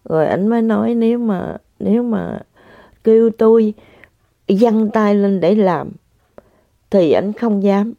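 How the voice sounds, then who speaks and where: Older woman, slow halting speech, mellow tone, emotional testimony, dull lo-fi recording. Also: medium pitch, creaky, dry recording. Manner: emotional, halting, repeats herself. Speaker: religious practitioner sharing testimony. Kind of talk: personal spiritual testimony to listeners. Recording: dull lo-fi sound.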